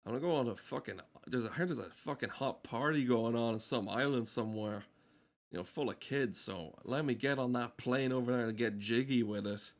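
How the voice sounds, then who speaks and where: Male streamer, mid-pitched, loose and sweary, riffing irreverently over cutscenes in a casual ramble. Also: brisk. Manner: profane, irreverent riffing with dark humour. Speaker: gameplay streamer.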